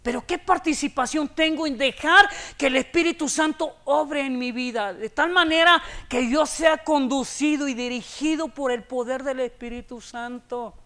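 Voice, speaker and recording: A man with a Mexican Spanish accent delivers a sermon in a church, his voice high-pitched and bright. He preaches with fervor, swinging between loud emphatic declarations and low, confiding asides. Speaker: pastor. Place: church sanctuary.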